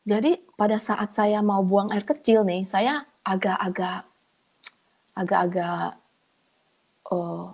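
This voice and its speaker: A woman with a mid-range voice tells her personal testimony as if chatting with friends. Her delivery is colloquial and animated, and her pitch jumps sharply when the story excites her. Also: slow pace, pauses often.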